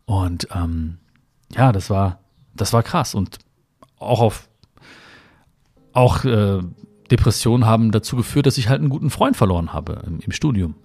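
A man with a fairly low voice talks straight to his listener, telling a personal story. He is reflective and hesitant, circling back with fillers and restarts as he looks for his words. He records from a room with the window open in the mountains. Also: lively intonation, moderate pace, pauses often, a little mellow.

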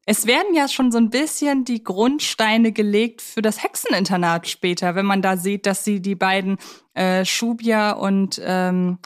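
A woman speaks as a podcast co-host in a casual film discussion. Her voice sits at an average pitch for a woman. The delivery is informal and conversational. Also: steady tone, unhurried.

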